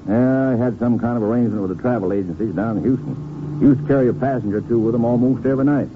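Brisk, talkative country sheriff played by a male actor, plain and earnest, old radio drama, noisy narrow sound. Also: mid-range voice, natural voice. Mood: businesslike. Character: plain-spoken small-town sheriff, loyal to a friend. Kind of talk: 1950s radio drama acting.

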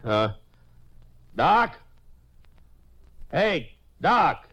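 A man's voice: a little high, big pitch swings, very slow, fairly bright tone, highs cut off, exaggerated voice. A man playing an evasive middle-aged American rancher who stammers uneasily in a 1950s western radio drama. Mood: anxious. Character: evasive middle-aged rancher with a boyish soft face, hiding guilt. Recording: noisy old radio recording with clicks.

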